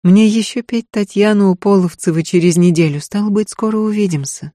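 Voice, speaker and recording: A woman reading an audiobook voices a resolute, tender young woman singer who speaks softly and quietly. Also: medium pitch, a little fast, no echo, studio quality, pitched above the performer's own voice, lightly acted. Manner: soft, quiet, restrained.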